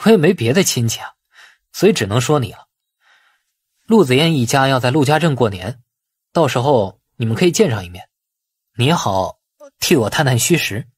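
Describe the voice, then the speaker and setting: Guy doing a shrewd easygoing young businessman, chatty explaining, husky, lively, audiobook. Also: medium pitch, normal speed, long pauses. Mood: matter-of-fact. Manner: colloquial, explanatory. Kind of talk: audiobook dialogue.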